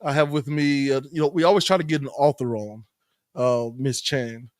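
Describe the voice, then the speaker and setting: A man's voice: mid-range voice, steady tone, normal speed, no echo, studio quality. A man hosting a podcast, interviewing in a casual conversational style. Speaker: podcast host.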